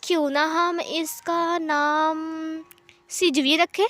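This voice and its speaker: A woman voicing a playful, bossy young man who is a new father, talking in a fussy, teasing, excitable way. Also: sits high, slow. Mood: cheerful.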